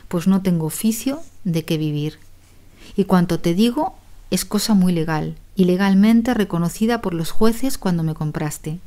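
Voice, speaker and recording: A woman's voice: lowish voice, dark tone. A woman voicing a defiant male slave who stands up to his master in an audiobook tale. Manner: bold, defiant. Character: cunning male slave who lies once a year.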